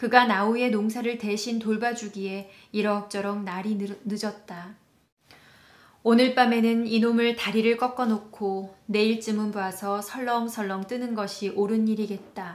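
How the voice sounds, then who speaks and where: A woman's fairly high voice, fairly slow and monotone, with flat intonation. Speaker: announcer. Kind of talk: audiobook reading of a literary short story. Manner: expressive.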